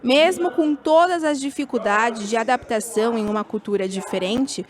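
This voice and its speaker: A woman narrating a television news report in a measured, formal tone. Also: on the high side, crowd noise. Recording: news report with music behind.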